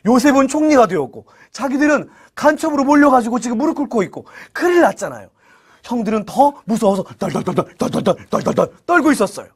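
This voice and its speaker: A man tells a Bible story to children in a playful way, often asking them questions. His voice sits high for a man. His intonation rises and falls with great liveliness. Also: husky. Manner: playful, asks the children questions, adds sound effects.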